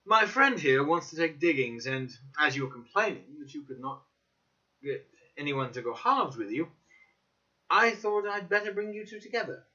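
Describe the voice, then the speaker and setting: Man playing lively, teasing young gentleman friend. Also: a little high, moderate pace. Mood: jovial. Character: amused, sociable young male friend making introductions. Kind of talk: dramatic audiobook reading. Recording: dull, slightly lo-fi recording.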